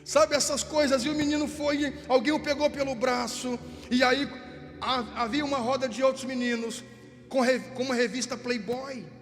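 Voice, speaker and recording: Very high-voiced gaúcho pastor preaching. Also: male voice, steady tone, moderate pace. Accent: Rio Grande do Sul gaúcho Portuguese. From southern Brazil. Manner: repeats words for emphasis, acts out dialogue. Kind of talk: sermon storytelling. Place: church. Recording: long church reverb, faint music behind.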